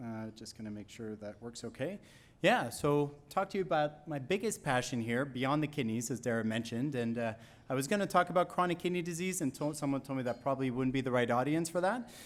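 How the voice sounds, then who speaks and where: A man with a Quebec accent, very fast and fairly high-pitched, with lively intonation on a very clean recording with a silent background. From Quebec, Montreal. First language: French. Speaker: veterinary professor. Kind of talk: keynote speech. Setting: dinner event with audience.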